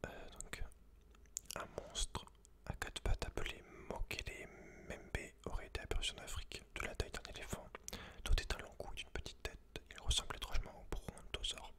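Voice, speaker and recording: A man whispering in a breathy, unvoiced voice as an ASMR host, reading aloud and adding informal, slangy asides to the listener. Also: normal speed.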